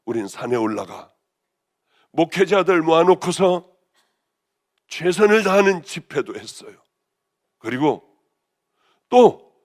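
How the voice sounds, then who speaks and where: A woman pastor with a hoarse voice, preaching a sermon with passion, rising to loud exclamations and then dropping to hushed, almost whispered lines. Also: sits low. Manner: impassioned, swinging between raised exclamations and hushed near-whispers.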